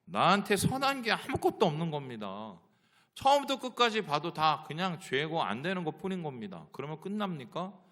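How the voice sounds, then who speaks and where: A man's voice: on the high side, big pitch swings, normal speed, pushed and bright. A male pastor preaching a sermon, asking the congregation rhetorical questions.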